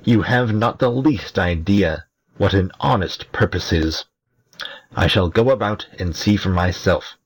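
An old, honest storybook beekeeper who speaks in an earnest, plain way, read by a man. The voice stays deep and husky. He sounds steady and sincere. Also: a little slow, full character voice, rough recording.

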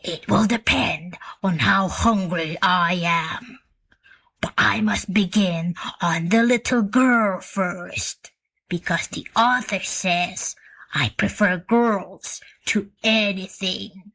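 A woman voicing a hungry male grizzly bear in a storybook reading, speaking slowly and low, half-whispered. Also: sharp tone, full character voice. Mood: menacing.

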